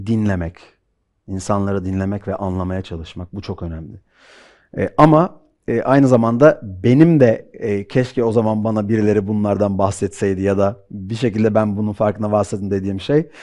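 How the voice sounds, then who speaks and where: The background is quiet as a man speaks at a moderate pace in a fairly low pitch. His tone is dark and mellow, with ordinary pitch variation. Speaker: choir conductor; guest. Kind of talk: interview conversation. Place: studio. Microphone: headset.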